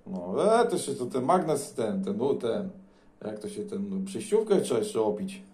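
A man's voice: on the low side, very animated, normal speed, mellow. A Polish man chatting casually as a CB radio operator, recorded indoors beside his transceiver. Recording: echoey room, faint noise.

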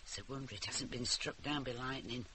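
Low-voiced, wry old Northern English grandmother. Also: brisk. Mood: wry scolding. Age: older. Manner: wry, teasing, scolding. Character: sharp-tongued, fond old grandmother, wry and scolding. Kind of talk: naturalistic radio drama acting. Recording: noisy radio drama recording.

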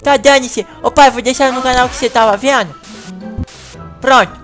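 A woman hosting a gaming channel, acting in a comedic video-game animation with an excitable, whiny way of talking. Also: high voice, soft background music. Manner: excitable, whiny, fast bursts.

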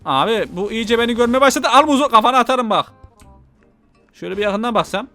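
A man playing a video game and commenting, joking and taunting the enemy out loud. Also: very high-pitched, animated, quick pace, no room sound, soft background music. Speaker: gaming channel host. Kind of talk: excited let's-play commentary.

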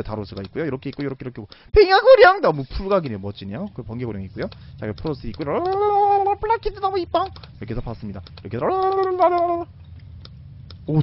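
Excitable male game streamer, lively swinging delivery, slightly dull lo-fi sound with faint music behind. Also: medium pitch. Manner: excitable, with sudden loud shouts. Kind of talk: casual gameplay commentary.

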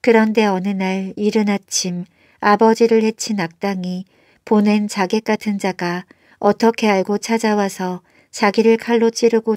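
A woman's voice: mid-range voice, darkish tone, no echo, studio quality. A woman reading a scripted folktale as a bedtime storyteller.

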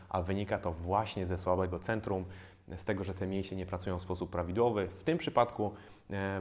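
Man in his thirties, fitness trainer, low voice, calm and explanatory, with pauses and fillers, lapel mic. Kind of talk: instructional exercise video. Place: bare indoor studio room.

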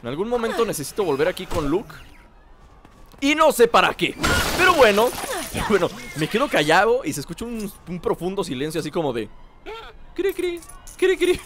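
Animated young man joking over gameplay. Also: high voice, a little fast, background noise. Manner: joking, animated, talks to the game. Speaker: gameplay commentator. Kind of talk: casual gameplay commentary. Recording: voice over loud game music.

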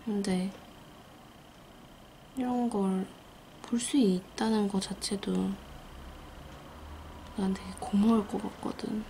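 A woman's voice: mid-range voice, takes it slowly, gravelly, long pauses. A woman with a Gyeongsang Korean accent chatting casually as she teaches nail art by hand. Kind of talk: casual hands-on tutorial chat. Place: indoor nail art studio. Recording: noisy room, steady background noise.

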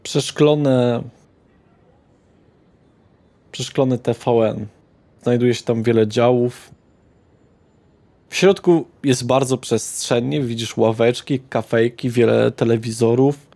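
A man's voice: medium pitch, steady tone, a little slow, dark tone. A man narrating a tabletop roleplaying game as game master, describing scenes with small hesitations.

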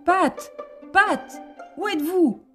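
A woman voicing a fussy, bossy male white rabbit in a storybook reading, with a shrill, commanding, impatient manner. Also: sing-song, measured pace, darkish tone, soft background music. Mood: panicked.

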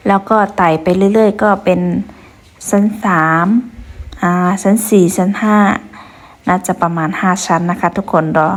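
A woman's voice: medium pitch, fairly even intonation, normal speed. A woman from Kengtung hosting a vlog, chatting to viewers as she walks them around a hilltop pagoda outdoors. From Kengtung, Shan State, Myanmar. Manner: chatty, addresses viewers, many soft polite particles. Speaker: vlog host. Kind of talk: walking tour narration.

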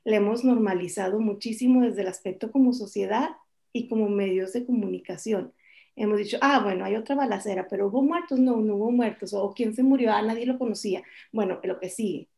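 A woman in her forties, a journalist speaking on a conference panel over a video call, candid and lively with joking asides. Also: mid-range voice, fairly quick, vocal fry. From Mexico. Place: home office, indoors.

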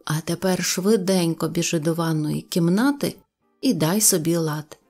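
A woman's voice: on the low side, darkish tone, soft background music. A woman voicing a strict, dignified mother cat duchess in an audio storybook. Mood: stern. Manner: stern, measured, reproving. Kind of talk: storybook character voice.

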